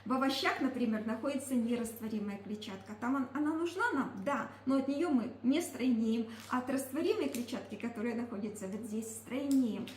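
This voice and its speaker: A woman's voice: on the high side, fairly quick, few pauses. A woman giving a product presentation, explaining emphatically and often asking questions that she answers herself. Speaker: presenter promoting a nutrition product. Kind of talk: product presentation talk to a group. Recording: echoey room with faint background noise.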